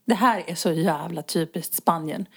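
A woman's voice: lowish voice, vocal fry, slightly rough. A woman in her forties co-hosting a podcast, chatting casually and telling stories with frequent laughs. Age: 40s. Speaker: podcast co-host. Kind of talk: casual chat.

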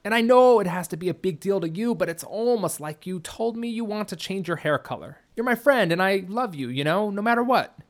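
A man's voice: sits high, expressive, extremely slow, hardly any pauses, sharp tone, pitched above the performer's own voice, heavily acted. A man reading the part of a loyal teenage boy in an audiobook, rambling awkwardly as he talks. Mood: awkward, supportive. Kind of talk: audiobook character dialogue.

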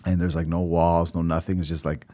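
A young man, born in Costa Rica and raised in Milwaukee, talking casually as an interview guest in his office, with a relaxed, rambling way of telling stories and many fillers. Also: sits low, a little fast, no echo. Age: young adult. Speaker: financial advisor, guest. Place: high-rise office.

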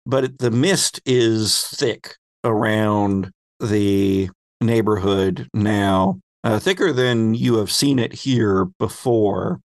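A man acting as game master, narrating an improvised tabletop game descriptively and pausing to find his words. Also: lowish voice, fairly even intonation, dry recording.

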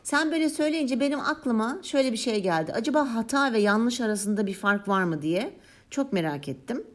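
A woman's voice: a little high, animated, fairly quick. A woman in casual conversation who explains her reflections thoughtfully, with a playful, self-mocking touch.

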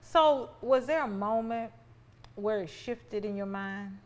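A woman's voice: medium pitch, takes it slowly, a little mellow. A woman with an African American accent, hosting a podcast in a casual, familiar and emphatic way. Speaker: podcast host. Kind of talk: casual chat.

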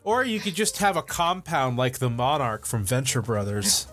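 A man's voice: medium pitch, sing-song, moderate pace, a bit bright. A man co-hosting a comedy podcast, trading dry, sarcastic comebacks in casual banter. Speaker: podcast co-host.

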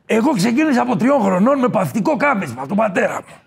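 A man playing a boastful, swaggering nightlife king in a comedy sketch interview, talking loud and brash with shouted punchlines. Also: high-pitched, big pitch swings, vocal fry, husky, exaggerated voice. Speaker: comic guest character.

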